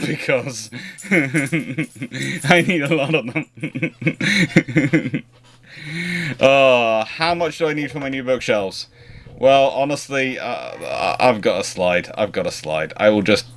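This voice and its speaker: Male livestream host, mid-pitched voice, chatty and meandering, informal delivery with broken-off sentences. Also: fairly bright tone. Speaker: livestream host answering naval history questions. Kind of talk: casual live stream chat.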